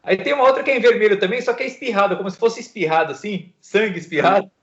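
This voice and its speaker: Quick, high-voiced man in an echoey room. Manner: lively, gives everyday examples, laughs lightly. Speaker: co-host in a discussion. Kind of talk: casual conversational explanation. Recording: echoey lo-fi recording.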